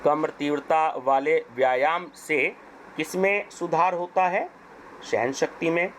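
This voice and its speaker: A hoarse man with an Indian accent, teaching as he goes through an exam paper question by question. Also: a little high, fairly bright tone, a little hiss or hum, rough recording. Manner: slow, deliberate question-and-answer reading.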